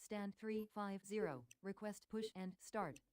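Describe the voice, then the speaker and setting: A woman's voice: mid-range voice, unhurried, crowd noise, lightly acted. A woman voicing a businesslike airline pilot in a game, reading out procedural radio phraseology. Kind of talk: clipped aviation radio phraseology.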